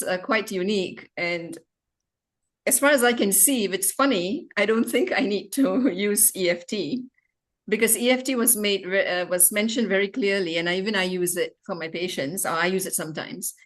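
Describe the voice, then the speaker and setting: A middle-aged woman gives an impromptu speech over a video call. She talks in a measured, thoughtful way, with a light touch of amusement. She sounds like a doctor used to explaining things to patients. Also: medium pitch. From Malaysia. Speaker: doctor and therapist. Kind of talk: impromptu speech at an online club meeting.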